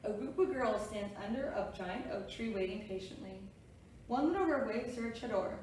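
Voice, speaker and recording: Woman, kindergarten teacher voice, children's storytime read-aloud, slightly high pitch, very echoey room. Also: moderate pace, a little mellow. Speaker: preschool storytime reader and host. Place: echoey room, away from the mic. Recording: very echoey room, distant mic, faint noise.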